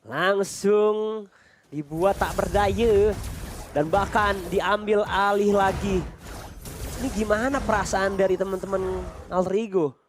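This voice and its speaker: A man's voice: sits high, steady tone, slow, background noise. Emphatic Indonesian male fighting game style announcer. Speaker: esports match commentator. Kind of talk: excited play-by-play game commentary, fighting game announcer manner.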